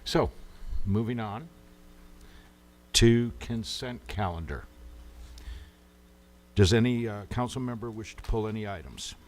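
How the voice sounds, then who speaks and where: A man chairing a city council meeting, moving briskly through the agenda. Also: on the low side. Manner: brisk, procedural. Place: council chamber.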